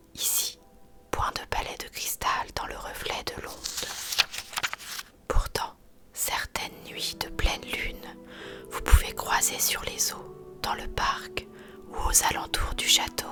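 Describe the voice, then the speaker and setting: A woman whispering at a very slow pace, with long, frequent pauses, big swings in loudness and music in the background. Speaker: ASMR storyteller. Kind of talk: whispered ASMR story reading, bedtime relaxation. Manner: soft, gentle, calming; whispered.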